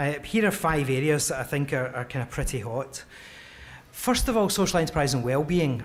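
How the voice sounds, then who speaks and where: A man speaks at a fairly quick pace with a fairly high pitch and ordinary pitch variation. He has a strong Glasgow accent, and audible room echo surrounds him. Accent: strong Glaswegian Scottish. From Scotland, Glasgow. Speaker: academic researcher, sociologist. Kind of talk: panel talk at academic forum. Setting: stage with audience. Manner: hesitant, many fillers and repeats.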